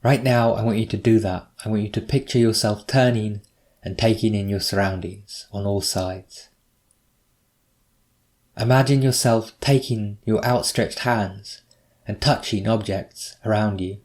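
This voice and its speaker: A man narrating a scripted guided meditation, giving measured, instructive prompts with pauses between them. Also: fairly low pitch, fairly even intonation, darkish tone.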